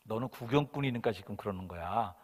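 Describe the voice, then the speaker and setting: A man's voice: fairly low pitch, a little fast, husky, voice pushed down. A man voicing a harsh, scornful older brother who scolds and mocks his younger brother. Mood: scolding. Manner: scolding, mocking. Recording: long hall reverb.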